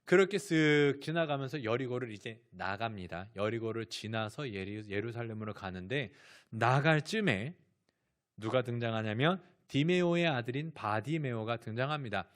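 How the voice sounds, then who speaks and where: A man's voice: mid-range voice, moderate pace. A man pastor giving a sermon, telling the story dramatically and asking his listeners questions. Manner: dramatic storytelling, acts out voices; addresses listeners directly with questions.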